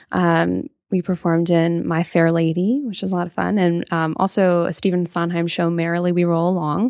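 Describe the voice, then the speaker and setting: A woman speaks at a moderate pace in an ordinary speaking voice. Her pitch is fairly low. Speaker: singer and theater actress. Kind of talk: casual interview.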